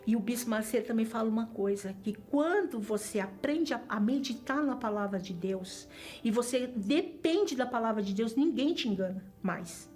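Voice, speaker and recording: A Brazilian woman from the church gives a personal religious testimony in a fairly high, animated, slightly mellow voice at a normal speed. She is earnest and emotional, repeating phrases for emphasis, with faint music in the background.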